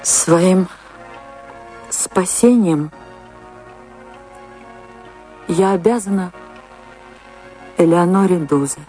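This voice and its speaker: An actress playing a famous dancer who recalls her tragic life in a measured, impassioned and sorrowful radio monologue with dramatic pauses. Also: on the low side, warm tone, soft background music. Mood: solemn, resolute. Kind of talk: dramatic first-person radio play monologue.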